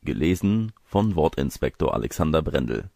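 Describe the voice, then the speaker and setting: Deep, gravelly male storyteller. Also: big pitch swings, normal speed, darkish tone, no echo, clean studio sound. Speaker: audiobook narrator. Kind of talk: expressive scripted storybook narration.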